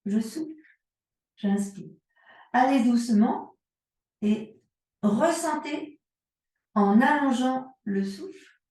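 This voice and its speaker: A woman yoga instructor calmly cueing breath and movements, leading a guided yoga and strengthening class. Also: a little high, takes it slowly, long pauses, distant mic. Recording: echoey room, voice from away from the mic.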